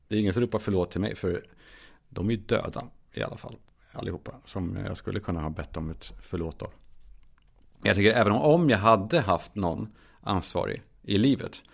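Guy thinking out loud on his podcast, low gravelly voice, lots of ehs and swearing. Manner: candid, musing, swears casually, many fillers and restarts. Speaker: podcast host. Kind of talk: solo reflective monologue.

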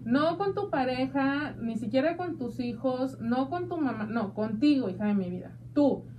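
A woman with a Mexican accent hosting a talk show, chatty and playful, speaking warmly to her listeners. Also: high voice, animated, normal speed, recorded from a distance, highs cut off, a little hiss or hum. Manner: chatty and playful, calls listeners "hija de mi vida". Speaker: radio show host. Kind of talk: casual talk show chat.

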